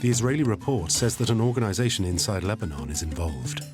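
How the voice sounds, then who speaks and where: A man giving measured, grave scripted narration for a documentary. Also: fairly low pitch, expressive, music in the background.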